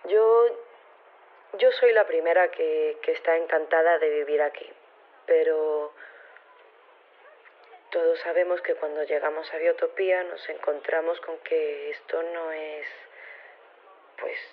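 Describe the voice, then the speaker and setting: Earnest campaigner phoning in to a radio drama: Castilian, hesitant, thin narrow-band line. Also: female voice, low voice, steady tone. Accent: Castilian Spanish. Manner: halting, earnest, unsure. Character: earnest, hesitant woman campaigner reporting by phone. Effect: phone line. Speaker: correspondent at a vote, by phone. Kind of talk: naturalistic audio drama phone report. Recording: tinny narrow phone line.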